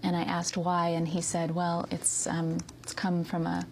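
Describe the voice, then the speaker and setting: Soft-spoken gravelly woman. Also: on the low side, completely flat delivery, a little slow, a little hiss or hum. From United States. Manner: hesitant, with many ums and soft laughs. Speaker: interview guest. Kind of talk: soft-spoken interview answers.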